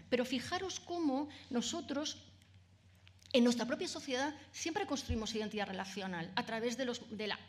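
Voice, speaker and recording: A woman with a Spanish accent from Spain delivers an academic lecture in a somewhat high voice. She builds her points patiently, often tagging sentences with little questions to the audience and pausing on fillers. She speaks to a room of listeners. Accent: Peninsular Spanish. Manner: explanatory, frequent tag questions and fillers. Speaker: author giving a lecture.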